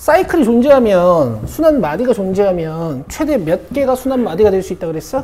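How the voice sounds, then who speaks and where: A moderate pace with hardly any pauses. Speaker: math teacher. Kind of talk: lecture. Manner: soft, gentle today.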